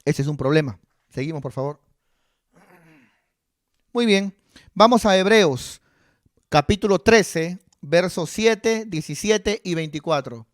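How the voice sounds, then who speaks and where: A man preaching to his congregation in a high, bright voice, leaning on rhetorical questions and acted-out quotes. His voice is recorded close and dry, with little room sound around it. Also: expressive, takes it slowly, pauses often, no echo. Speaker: pastor. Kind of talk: sermon.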